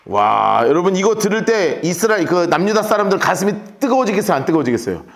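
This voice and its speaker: A man teaching a Bible class, urging his listeners to mark their pages as he goes. His voice sits high and swings widely as he dramatizes each passage. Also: fast talker, creaky. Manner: animated, coaxing the class to take notes. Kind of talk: Bible lecture.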